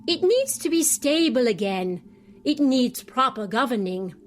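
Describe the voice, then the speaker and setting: A woman's voice: high voice, sing-song, measured pace, soft background music. A woman playing an imperious, scatterbrained old queen in an audio drama, weary, fussy and dismissive, speaking in a regal, theatrical manner. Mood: brooding, dismissive.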